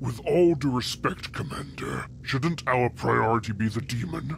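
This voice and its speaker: Putting on a character voice, a man speaks at a moderate pace and medium pitch over clear background noise. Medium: machinima. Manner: formal, inquisitive.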